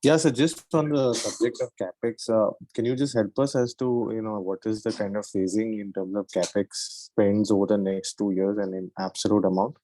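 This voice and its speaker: Low, mellow male analyst. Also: steady tone, normal speed, hardly any pauses, dry recording, poor audio. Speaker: financial analyst. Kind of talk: asking questions on an earnings call.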